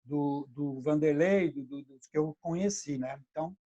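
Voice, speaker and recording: Over a muffled, dead-sounding video call, a middle-aged man with a Brazilian Portuguese accent and a fairly high voice chats as a former footballer being interviewed. He stumbles and repeats words as he goes, and tags his remarks with "né?". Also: moderate pace, mellow, no echo. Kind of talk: casual interview chat. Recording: dull, dry lo-fi sound.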